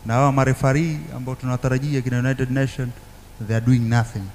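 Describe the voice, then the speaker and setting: A man's voice: mid-range voice, level tone, fast talker, a little mellow, a little hiss or hum. A man with an East African accent, a native Swahili speaker, speaking earnestly as a guest in a talk show discussion. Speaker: panel guest. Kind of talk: talk show discussion, mixing two languages.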